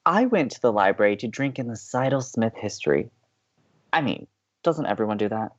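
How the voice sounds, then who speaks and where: In a scripted audio comedy, an earnest, teasing co-host of a college radio show comes across as sociable and eager for romance. Her pitch swings lively with theatrical emphasis, she talks a little fast, and the dry recording sounds slightly dull.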